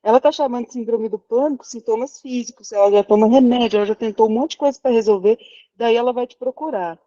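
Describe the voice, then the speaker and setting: A woman psychologist speaking in a casual group discussion, polite and hedging gently. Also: a little high, fast talker, no room sound, dull audio.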